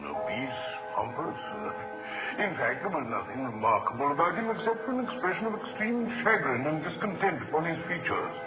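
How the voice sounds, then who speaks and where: Actor as Doctor Watson, expressive radio storyteller. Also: male voice, a little high, fairly quick, close to an everyday voice, low-quality recording. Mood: fond, storytelling. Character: genial English doctor fondly recalling detective adventures. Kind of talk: old-time radio drama narration. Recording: vintage radio recording over loud music.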